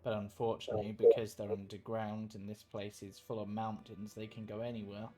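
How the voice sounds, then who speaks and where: A man's voice: fairly low pitch, monotone, fairly quick, music in the background. A man chatting casually as a player in a tabletop role-playing game, thinking through his moves.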